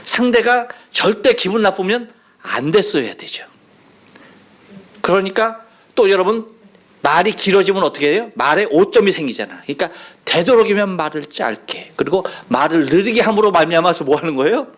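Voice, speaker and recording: A male pastor with a Chungcheong accent delivers a Sunday sermon, slipping into playful imitations of dialect phrases. His voice sits a little high and swings widely in pitch as he tells his stories. He preaches in a church sanctuary. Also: lively intonation, normal speed. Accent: Chungcheong Korean. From Chungcheong, South Korea. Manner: playful storytelling, mimicking dialect phrases with laughter.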